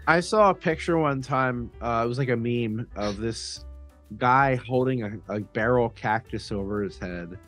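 A male podcast co-host with a middling pitch talks in casual comedic banter. He is profane and crude in his joking. Soft music sits behind the voice. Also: unhurried.

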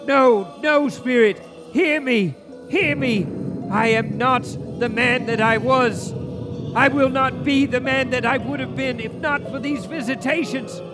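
An actor playing a frightened, repentant old miser in a live radio play, declaiming and pleading with theatrical weight. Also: male voice, very high voice, measured pace, over music. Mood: desperate, repentant. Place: theatre stage, live before an audience. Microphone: shared stage microphone.

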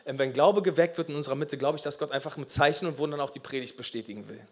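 Preaching at a very fast pace in a slightly high voice, this male pastor is fervent and emphatic. His sermon swings from loud urgency to quiet asides.

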